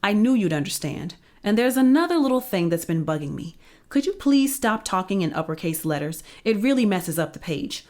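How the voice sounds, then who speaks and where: A woman's voice: mid-range voice, sing-song, a little fast, a little mellow, lightly acted. A woman voicing Jack, a pushy, cocky boy narrator who talks eagerly and brashly.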